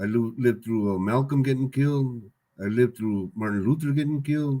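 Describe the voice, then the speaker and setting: Speaking with an American accent, a man uses a medium pitch, fairly even intonation and a fairly quick pace. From Southern California, Orange County. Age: 60s. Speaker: former gang member telling life story. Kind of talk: interview testimony. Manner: halting, many fillers and repeats.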